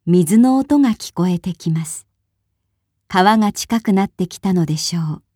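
Slow, mellow woman reading a story. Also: mid-range voice, no room sound, studio quality. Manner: clear, explanatory, measured.

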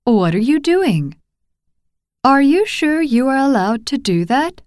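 A woman reading example phrases for English learners, slow and clearly enunciated. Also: high-pitched, big pitch swings, a little mellow, no echo, clean studio sound. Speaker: phrase reader.

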